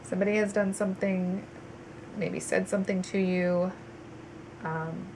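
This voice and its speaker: Woman, stuffy nose, nasal, tarot reading, rambling with ums, mid-pitched. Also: steady tone, a little slow, background noise. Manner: chatty, with frequent ums and restarts. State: stuffy, congested. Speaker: tarot reader. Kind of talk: monthly tarot reading to viewers.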